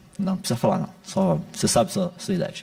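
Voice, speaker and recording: Against noticeable background noise, a man talks very fast at a high pitch. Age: 60s. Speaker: physicist and creationist lecturer. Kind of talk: lecture. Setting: church.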